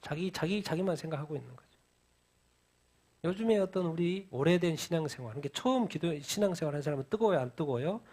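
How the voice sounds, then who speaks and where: Male pastor, sermon, fairly high voice, asks questions and answers them, heated acted-out quotes. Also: animated, fast talker. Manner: acts out quoted lines in a loud heated voice.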